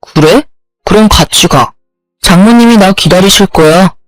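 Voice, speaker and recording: A man's voice: high-pitched, measured pace, no room sound, faint music behind, rough recording. A man voicing a selfish young husband who brushes off his wife's complaints in an offhand tone, dry close recording. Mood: puzzled. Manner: offhand, dismissive. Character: dismissive selfish young husband, mama's boy.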